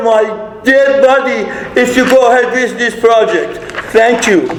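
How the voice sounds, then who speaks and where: Over noticeable background noise and audible room echo, a man speaks at an extremely high pitch with fairly even intonation. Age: 70s. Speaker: resident speaking at public meeting. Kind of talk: public comment. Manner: halting, repeats words.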